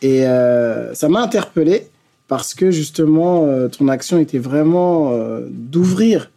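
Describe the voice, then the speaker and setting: A man's voice: on the high side, lively intonation, takes it slowly, creaky, mellow. A man hosting a podcast, reading a scripted intro and then chatting casually with a guest. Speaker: podcast host. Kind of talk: podcast interview.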